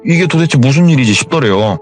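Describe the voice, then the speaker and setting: A man's voice: medium pitch, lively intonation, fast talker, soft background music. A man casually retelling a true ghost story as a narrator, in a chatty, colloquial way. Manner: colloquial, retells with reported speech.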